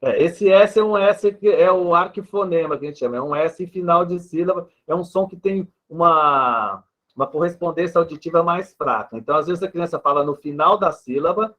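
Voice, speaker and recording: Brazilian man explaining, slightly high voice. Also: moderate pace, fairly bright tone. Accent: Brazilian Portuguese. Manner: patient, explains with examples and frequent "né". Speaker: speech therapist. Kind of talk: explanatory interview answer. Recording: dull lo-fi sound.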